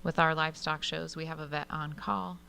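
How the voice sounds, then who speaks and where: A woman with a low, gravelly and bright-edged voice gives measured remarks at a council meeting. Her pitch stays fairly flat as she speaks into a desk microphone in a council chamber. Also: a little hiss or hum. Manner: measured, appreciative. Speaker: city council member.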